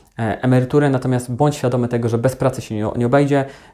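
In a very clean recording with a silent background, a man speaks at a medium pitch in a dark, mellow tone with fairly even intonation. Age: 20s. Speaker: business owner and marketing consultant. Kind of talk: solo video monologue. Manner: hesitant, many filler sounds.

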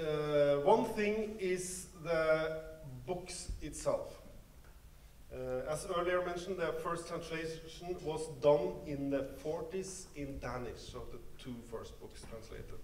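Audible room echo surrounds a man's voice. He speaks at a very slow pace with ordinary pitch variation. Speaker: presenter. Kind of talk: lecture. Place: stage.

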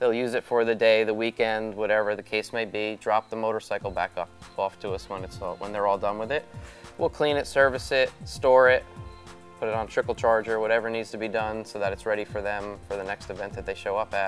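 A man speaks at a fairly quick pace with a fairly low pitch and fairly even intonation. Faint music plays in the background. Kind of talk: interview answer. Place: garage. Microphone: lapel.

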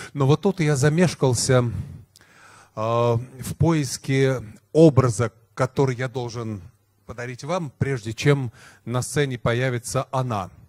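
Against a quiet background, a man talks very slowly, leaving long, frequent pauses. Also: ordinary pitch variation. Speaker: television and radio presenter, announcer, master of ceremonies. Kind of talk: stage introduction at a concert. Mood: warm, festive. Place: stage. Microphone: handheld.

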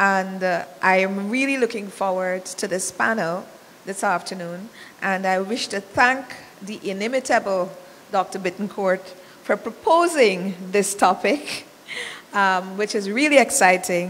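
Light background noise sits behind a woman's voice. She talks at a fairly slow pace with ordinary pitch variation. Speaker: university official hosting the event. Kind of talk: opening remarks at a panel event. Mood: warm, occasionally laughing. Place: hall. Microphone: podium.

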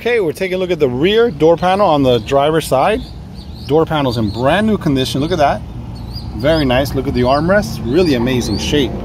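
A man at a fairly quick pace, dry sound with no echo, noticeable background noise behind him. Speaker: car seller. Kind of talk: walkaround sales commentary. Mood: upbeat, approving. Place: street. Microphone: phone near.

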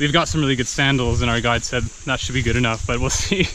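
The speaker is a man, recorded with a dry sound and no echo. Light background noise can be heard. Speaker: travel vlogger. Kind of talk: casual vlog chat. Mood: upbeat, amused. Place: forest. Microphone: phone near.

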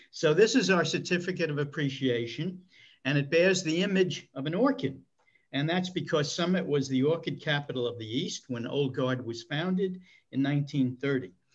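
Against a quiet background, a man with a fairly high pitch talks at a moderate pace, somewhat breathy and with ordinary pitch variation. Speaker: club program organizer, retired engineer; meeting host. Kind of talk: speaker introduction. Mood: warm, appreciative. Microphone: video call.

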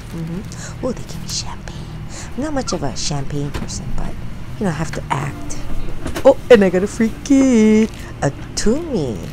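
A woman talks at a moderate pace, with very wide pitch swings and big swings in loudness. Her long, frequent pauses sit over noticeable background noise. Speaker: travel vlogger. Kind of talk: casual vlog chat. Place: plane. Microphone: phone near.

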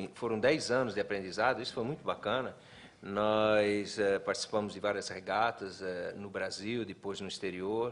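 A man with an unremarkable speaking voice talks at a moderate pace with a fairly low pitch and fairly even intonation. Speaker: sailor and author; guest. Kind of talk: storytelling talk to audience. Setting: stage with audience. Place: hall. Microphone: podium.

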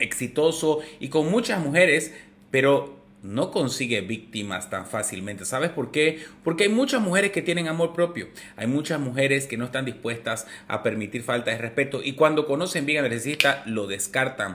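Speaking with lively intonation, the man holds a moderate pace. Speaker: relationship coach. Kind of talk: advice monologue to camera. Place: home room.

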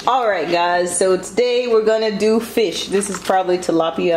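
A woman talks at a moderate pace with ordinary pitch variation. Audible room echo and light background noise accompany her voice. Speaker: home cook vlogger. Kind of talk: casual cooking tutorial. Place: kitchen. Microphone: phone near.

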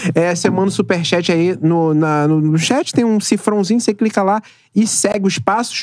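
Loudness stays very even throughout. The pace is moderate, with ordinary pitch variation. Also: man, high pitch for a man. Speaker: sports podcast co-host. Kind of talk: sponsor read. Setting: studio. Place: studio. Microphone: studio mic.

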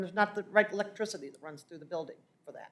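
Loud and very fast, a woman speaks at a fairly high pitch. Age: old. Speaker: resident speaking at public comment. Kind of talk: public comment at council meeting. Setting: city council chamber.

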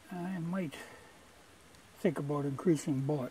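A man's voice at a fairly slow pace, ordinary pitch variation, dry sound with no echo. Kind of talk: casual vlog chat. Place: open country.

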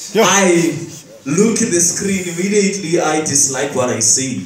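Audible room echo surrounds a man talking at a high pitch. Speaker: spoken-word poet. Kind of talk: performed spoken-word poem. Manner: rhythmic, emphatic, repetitive wordplay delivery. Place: stage. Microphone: pa.

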